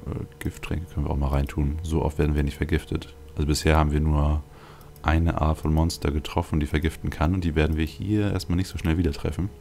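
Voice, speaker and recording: Very deep, creaky-voiced man commenting on gameplay. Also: flat delivery, fast talker, a little mellow. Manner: rambling, thinking aloud. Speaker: let's play host. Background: video game music.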